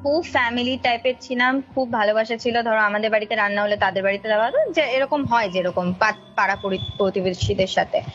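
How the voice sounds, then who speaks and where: Young bengali lady from on a dull phone recording, highish voice, telling her story, music behind. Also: steady tone, fairly quick, few pauses, fairly bright tone. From India. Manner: emphatic, repeats phrases for emphasis. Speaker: caller recounting a ghost story. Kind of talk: casual personal storytelling. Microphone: phone call. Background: background music.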